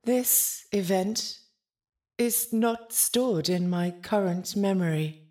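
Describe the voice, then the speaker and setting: A woman playing a ship's AI in an audio drama, formal, literal and gently concerned, with precise, stilted wording. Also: mid-range voice, slow pace, close to an everyday voice. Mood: flat, puzzled.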